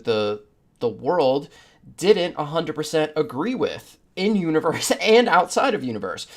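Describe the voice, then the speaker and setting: A man hosting a podcast, chatting informally and giving emphatic opinions. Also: fairly high pitch. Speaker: podcast host. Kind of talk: casual opinionated panel chat.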